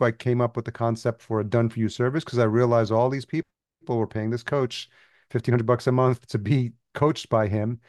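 A man's voice: mid-range voice, darkish tone, no room sound, clean studio sound. A man from El Salvador, a podcast agency founder, telling his story as a guest in a casual interview and laughing easily.

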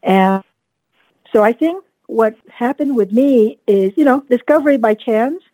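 A woman in her fifties from Vietnam, a guest telling her story in an earnest, reflective way, often pausing with "you know.". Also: on the high side, lively intonation, husky, no echo, phone-quality sound. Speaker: guest, dentist and coach. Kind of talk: casual podcast interview.

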